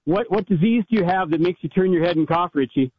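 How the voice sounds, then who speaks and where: A man's voice: high-pitched, fast, husky, no echo, highs cut off. A man calling in to a talk show, arguing casually and insultingly, repeating himself and talking over others. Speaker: caller to a talk radio show. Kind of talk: casual argumentative banter.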